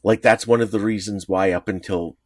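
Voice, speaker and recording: A man's voice: fairly even intonation, fairly quick, no room sound, studio quality. A man co-hosting a podcast, talking casually and rambling with frequent chuckles. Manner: rambling, chuckling, pitch jumping around. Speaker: podcast co-host. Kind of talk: casual chat.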